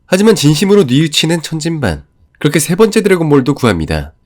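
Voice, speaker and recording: A man's voice: fairly high pitch, very animated, fast talker, background noise. A man giving scripted narration for an anime story recap.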